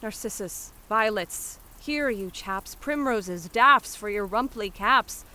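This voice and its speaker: A woman voicing a brash, warm-hearted young Cockney flower seller who scolds and hawks her wares in a dramatic poem. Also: mid-range voice, expressive, slow pace, pitched above the performer's own voice. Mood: hearty, generous. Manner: street-hawker cries, scolding and dropping h's. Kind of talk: dramatic poetry performance.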